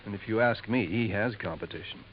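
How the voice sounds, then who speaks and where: An actor playing a smooth, confiding male jeweler who drops insinuating hints in a 1950s radio drama, on a dull old recording. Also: fairly low pitch, brisk, slight background noise, close to an everyday voice.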